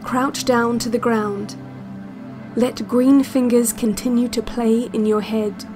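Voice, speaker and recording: Calm controlling tape guide lady, hypnotic n measured, kinda high voice, music under it. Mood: hypnotic, instructive. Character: calm, controlling woman narrating an institute's relaxation cassette. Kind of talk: scripted guided-meditation narration, audio drama.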